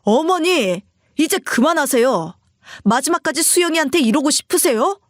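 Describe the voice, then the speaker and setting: A woman's voice: high-pitched, expressive, moderate pace, no echo, clean studio sound, pitched above the performer's own voice. A woman voicing a weary, strained grown man who pleads with his mother in a subdued way.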